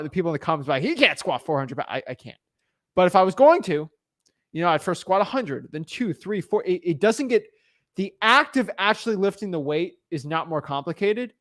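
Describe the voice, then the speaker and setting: A man's voice: on the high side, dry recording, clean studio sound. A young man coaching on cold calling in a casual, rambling way, restarting and repeating himself often. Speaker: real estate wholesaling coach. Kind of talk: casual teaching monologue. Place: Florida.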